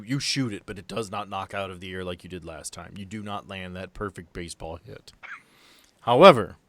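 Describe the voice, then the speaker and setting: A fairly low-voiced man runs a tabletop adventure as game master, narrating in an improvised, conversational, off-the-cuff way. The sound is dry and close, with no room sound.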